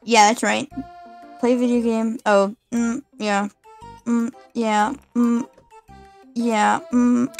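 A woman guesting on a casual game stream, talking in halting, rambling bits and giggling. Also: fairly high pitch, vocal fry, a little mellow.

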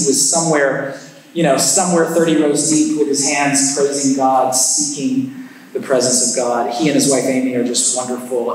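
A man, a pastor, praying and then introducing the evening's speaker at a church service, with frequent fillers. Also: a little high. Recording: echoey church from far off.

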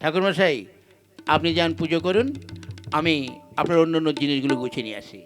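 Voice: medium pitch, fast, natural voice. A performer voicing a polite, businesslike club member puppet in a Bengali folk comedy. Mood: polite, brisk. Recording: loud music behind the voice. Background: music.

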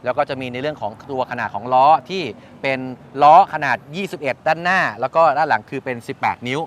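This man, a motorcycle reviewer, hosts a casual review and interview, explaining as he goes and confirming what his guest says by repeating it. He has a mid-range voice and a quick pace. It's recorded at a roadside shop, with traffic and outdoor noise behind.

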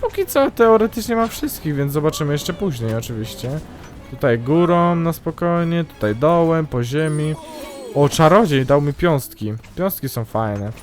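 A young man commentating his own gameplay, excitable and yelping loudly whenever something goes wrong. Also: on the high side, normal speed, soft background music. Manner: excitable, yelps and shrieks at mishaps. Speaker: gaming YouTuber. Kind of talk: let's play commentary.

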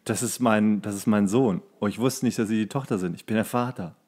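A man's voice: on the low side, fairly quick, a little mellow. A young man co-hosting a podcast in a casual, playful, jokey way. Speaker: podcast co-host. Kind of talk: casual chat.

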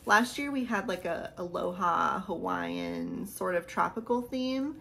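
A woman in her thirties chatting casually in a haul vlog from a small room, rambling and laughing, a little hoarse from losing her voice. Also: on the low side, very animated, unhurried, bright, forceful tone. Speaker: vlogger showing a haul. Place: small decorated room indoors.

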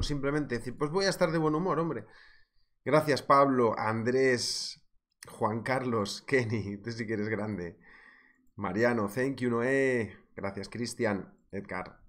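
A man's voice: lowish voice, fairly bright tone. A man with a Spain Spanish accent who teaches trading in a live webinar, talking in a chatty, joking way and greeting viewers by name. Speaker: trading instructor. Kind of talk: live webinar, market analysis.

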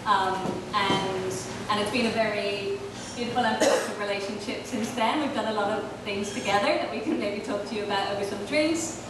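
Woman lecturing in an echoey hall. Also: medium pitch. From Ireland. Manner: measured, thoughtful, with frequent fillers. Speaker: keynote speaker. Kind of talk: academic lecture. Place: large hall, on stage at a panel table. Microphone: table microphone, heard from far off. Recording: echoey hall from far off, noisy.

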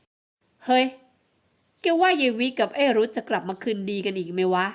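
A woman's voice: mid-range voice, very animated, moderate pace, voice pushed down, lightly acted. A woman reading a romance audiobook, voicing a young man gossiping with a friend in blunt, slangy banter. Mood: curious. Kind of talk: audiobook romance novel acting.

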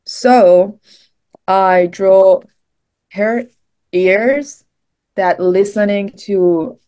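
A woman's voice: medium pitch, drawn-out words, warm tone, clear, resonant tone. A young woman explaining casually on a video call. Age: young adult. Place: home room, on a video call. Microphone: computer mic on a video call.

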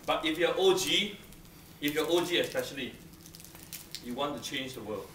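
A middle-aged man from Singapore, giving a brisk classroom lecture on debating, teasing students and repeating his key points. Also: on the high side, lively intonation, fairly bright tone. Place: large brick-walled seminar room. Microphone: far camera, no close mic. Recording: roomy, distant camera audio with room noise.

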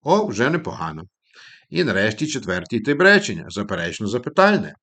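A man teaching a language lesson, slowing right down to model English phrases and playfully calling his listeners kids. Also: on the low side, very animated, pushed and bright. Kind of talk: instructional monologue.

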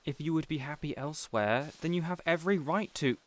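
A man's voice: on the high side, brisk, lightly acted. Man playing a flustered, earnest supervillain boss. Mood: earnest, gentle. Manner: earnest, exasperated, wholesome mild oaths. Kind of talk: audio roleplay addressed to the listener.

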